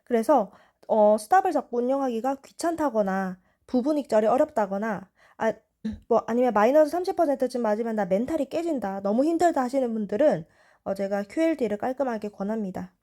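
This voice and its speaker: A young woman in her twenties calmly walking through stock chart analysis. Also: on the high side, a little fast. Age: 20s.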